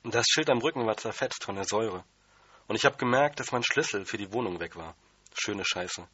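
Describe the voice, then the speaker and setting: A man reads a children's story aloud in the first person, keeping his delivery plain and childlike. His voice is husky with a bright, forward edge and sits fairly low. The recording sounds dull and lo-fi, close and dry. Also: animated, normal speed, no room sound. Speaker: audiobook reader.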